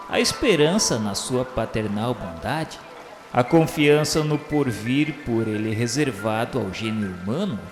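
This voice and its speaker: Slow, solemn Brazilian male narrator with echo. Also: mid-range voice. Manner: formal, measured, declamatory. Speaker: narrator of a radio novel. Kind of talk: solemn dramatic literary narration of a spiritist novel. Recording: echoey voice over background music. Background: music.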